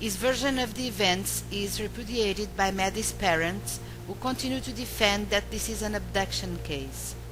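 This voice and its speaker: Music plays in the background as this speaker talks at a moderate pace with a Portuguese accent. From Portugal. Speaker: narrator. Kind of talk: documentary narration.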